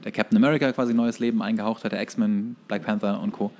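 A man's voice: fairly low pitch, steady tone, fast, a little mellow, a little hiss or hum. Wry, teasing man on a podcast. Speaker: podcast co-host. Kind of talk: casual comedic chat.

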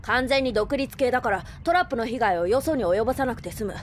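Brash, high-pitched boyish young boss played by a woman. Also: animated, fast talker, slight background noise, close to an everyday voice. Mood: upbeat, cajoling. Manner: rough masculine casual speech. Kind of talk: anime-style audio drama acting.

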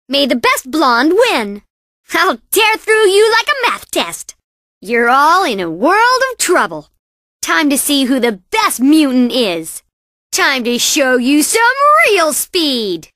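Coco Bandicoot, very high, sassy cartoon girl. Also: sharp tone, no echo, studio quality, full character voice. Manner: sassy, boastful, cartoonishly exaggerated delivery. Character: perky, cocky young female bandicoot racer. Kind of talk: video game character voice lines.

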